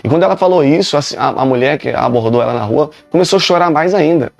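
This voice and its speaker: Gravelly, dry-voiced pastor giving an emphatic personal testimony; faint music underneath. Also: male voice, on the high side, expressive, fast talker, no room sound. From Rio de Janeiro, Brazil. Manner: emphatic storytelling with repetitions.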